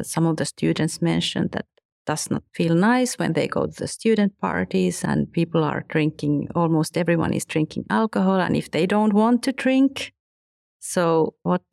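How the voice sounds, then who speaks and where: A woman whose first language is not English, speaking as an interview guest in a halting way, often restarting and searching for words. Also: on the low side, creaky, darkish tone, no echo, studio quality. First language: neither English nor Finnish. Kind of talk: conversational interview.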